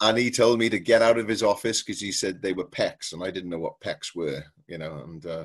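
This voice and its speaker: An unremarkable speaking voice at a fairly quick pace, with big swings in loudness, ordinary pitch variation and a quiet background. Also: man, fairly low pitch for a man. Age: 60s. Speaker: bodybuilder. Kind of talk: interview.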